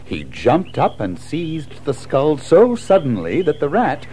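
Animated male storybook narrator. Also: on the high side, unhurried, a little hiss or hum. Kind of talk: expressive scripted children's story narration. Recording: music behind narration.

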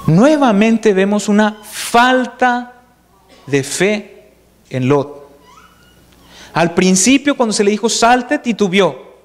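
High-voiced man preaching in an echoing hall. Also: lively intonation, slow, long pauses. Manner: storytelling, acts out dialogue of the story in quoted voices. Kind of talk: sermon. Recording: long hall reverb.

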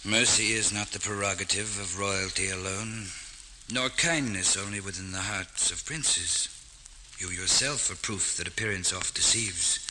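Forthright knightly advisor: earnest, archaic, declamatory radio drama read, cutting tone, faintly hissy old recording. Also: male voice, low voice, a little slow, pushed and bright, full character voice, low-quality recording. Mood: admonishing. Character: loyal, forthright grown nobleman advising his young king.

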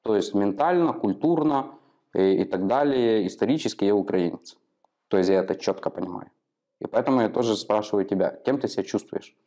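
Probing interviewer, warm low voice. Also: male voice, a little fast. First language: Ukrainian. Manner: probing, explaining at length. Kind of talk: interview questioning. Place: small office room, indoors. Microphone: clip-on lapel mic.

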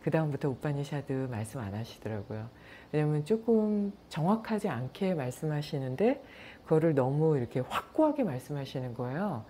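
A middle-aged yoga teacher talks to her viewers in a low, warm voice. She tells stories calmly and acts out what people said. A faint noise sits under the recording. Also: moderate pace. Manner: anecdotal, calm, with acted-out quotes. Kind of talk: casual talk to viewers.

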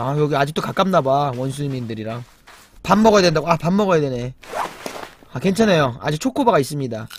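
A young male streamer with a high voice that swings widely. He drops to low mutters as he creeps through the game, then bursts into loud yelps when something startles him. Faint noise sits behind his talk. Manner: chats with viewers and reads the chat. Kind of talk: live game commentary.

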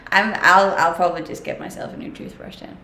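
A young Danish woman with a Danish accent chats casually on a livestream from her home kitchen, laughing often as she answers viewer comments. Her voice is fairly low, pushed and bright, with fairly even intonation at a moderate pace. A webcam at desk distance picks her up in the echoey kitchen, where a faint hum sits in the background.

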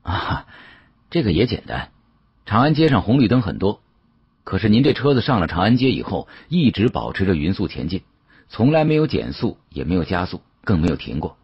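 Man playing a husky, sharp young antique dealer. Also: deep voice, big pitch swings, no echo, highs cut off, pitched above the performer's own voice, exaggerated voice. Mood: confident, explaining. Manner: deferential, explanatory, quick-witted.

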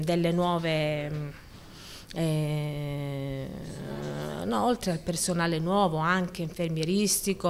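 Hesitant, slow-spoken woman doctor. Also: low voice, vocal fry, a little hiss or hum. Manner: hesitant, many fillers and restarts. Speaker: emergency room doctor. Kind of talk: on-the-spot news interview. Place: hospital emergency ward corridor, indoors. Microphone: handheld reporter microphone.

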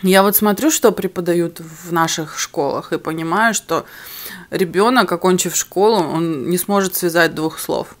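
A young woman with a slightly low voice talks candidly to a camera on the table in front of her, pausing between bites of food. Her first language is not Russian. She sounds relaxed and at home in her living room. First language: other than Russian. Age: young adult. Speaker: mukbang vlogger. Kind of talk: casual chat to camera while eating.

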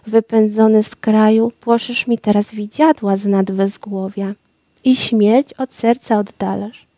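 A woman's voice: medium pitch, fairly even intonation, measured pace, mellow, no echo, natural voice. A woman voicing an old, recovering emperor in a storybook reading, speaking earnestly and with fervour. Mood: grateful. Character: old sick emperor, grateful and majestic.

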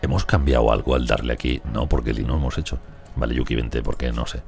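Over soft background music, a man with a Spain Spanish accent offers rambling, chatty let's play commentary, speaking to his colonists. A gaming streamer, he has a rumbling low, slightly mellow voice with vocal fry, a steady tone and a fairly quick pace.

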